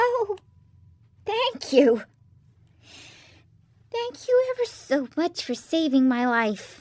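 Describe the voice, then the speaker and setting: Putting on a squeaky character voice, a woman talks very slowly at an extremely high pitch with very wide pitch swings. Long pauses come often. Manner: grateful, earnest.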